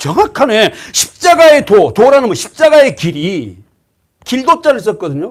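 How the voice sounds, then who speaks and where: A man speaks at a high pitch, at a fairly slow pace, with very wide pitch swings. The recording is very clean, with a silent background. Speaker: pastor. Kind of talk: sermon.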